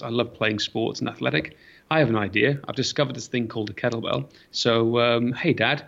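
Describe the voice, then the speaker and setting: Gravelly low Welsh man on a lo-fi call. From mid Wales. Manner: animated, acts out his own past thoughts. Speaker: podcast guest, fitness business owner. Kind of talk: casual storytelling interview. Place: home in Brisbane, on a video call. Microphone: video call.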